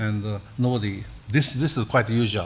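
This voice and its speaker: With audible room echo around him, a man of fairly low pitch speaks at a moderate pace. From Japan. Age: 70s. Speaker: chemist. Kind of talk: lecture. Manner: halting.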